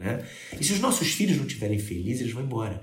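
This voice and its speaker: A man talks at a very fast pace with audible room echo and noticeable background noise. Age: 40s. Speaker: motivational speaker and author. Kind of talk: casual interview.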